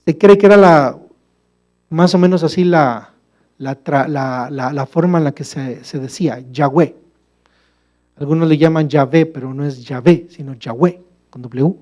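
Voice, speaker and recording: A man delivers a sermon in a church, his voice pitched fairly high yet mellow and warm. He poses rhetorical questions to the congregation and addresses them as brother. He shifts from emphatic, loud passages to quiet, low asides. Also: moderate pace. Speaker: preacher.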